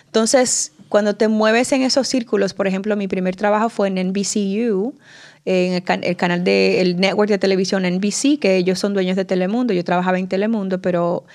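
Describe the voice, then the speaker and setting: A woman's voice: mid-range voice, steady tone, fairly quick, a little mellow. A woman in her forties from the Dominican Republic with a New York Latina accent, chatting casually on a podcast and switching between Spanish and English mid-sentence. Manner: restarts often while searching for words.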